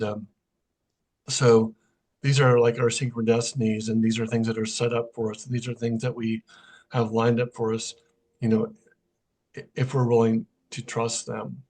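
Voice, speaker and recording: Middle-aged man telling a story, flat pitch. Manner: conversational, recounts events through quoted dialogue. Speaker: podcast guest, sound healer. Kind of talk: casual storytelling.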